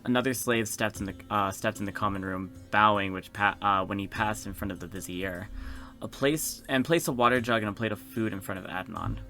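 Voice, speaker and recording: Young man, lowish bright voice, let's play narration, casual reactive asides, faint music. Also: a little fast. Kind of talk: reading visual novel narration aloud with casual reactions. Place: small room indoors with gaming setup. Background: game music.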